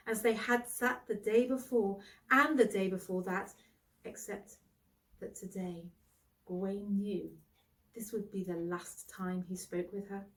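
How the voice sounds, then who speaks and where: A woman reads a storybook aloud in a medium-pitched voice. Her narration is expressive and dramatic, with deliberate phrasing. She sounds set back from the microphone. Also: recorded from a distance, low-quality recording.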